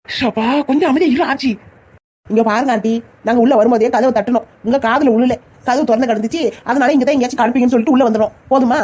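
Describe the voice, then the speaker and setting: A woman's voice: on the high side, fast talker, darkish tone, breathy edge, voice pushed down. A woman doing a bossy, level-headed girl. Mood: firm. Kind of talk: cartoon comedy voice acting.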